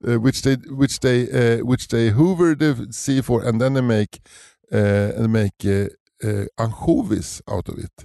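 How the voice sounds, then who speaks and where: A Swedish man co-hosting a podcast, halting with fillers and laughing often. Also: medium pitch, vocal fry, dark tone, no echo, clean studio sound. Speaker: podcast co-host. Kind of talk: casual comedic chat.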